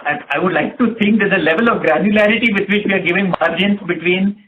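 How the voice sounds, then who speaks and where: A high-voiced man speaks as a company executive, explaining things in a measured way to analysts. He is on a narrow phone connection with some noise and clicking. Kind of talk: earnings call answers. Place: conference call. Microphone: telephone.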